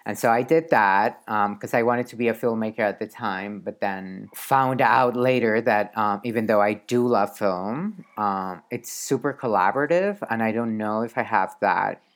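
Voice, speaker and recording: A man of forty-one, talking casually as a guest author over a video call, laughing often and filling pauses with ums and likes. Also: lowish voice. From Mexico. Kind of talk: casual interview chat.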